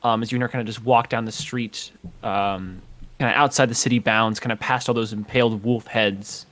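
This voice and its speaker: A man's voice: on the low side, steady tone, fairly quick, a bit bright. A man narrating as game master of a tabletop game, hesitant and full of filler words. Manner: hesitant, full of ums and kinda.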